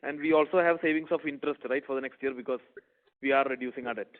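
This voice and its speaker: This Indian-accented company executive speaks fast at medium pitch with a steady tone, responding to investor questions on an earnings call heard through a narrow, phone-like line.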